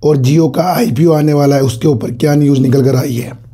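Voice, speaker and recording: A hoarse man with a cold hosting his own stock market channel, chatting casually to viewers, addressing them as sir and repeating his phrases. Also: a little high, fairly even intonation, normal speed, mellow. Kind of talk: casual market commentary to camera.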